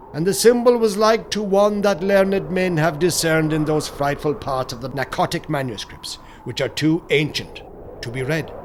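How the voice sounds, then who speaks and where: A man narrating gothic horror in a solemn, theatrical way with deliberate phrasing. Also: on the high side, a little hiss or hum.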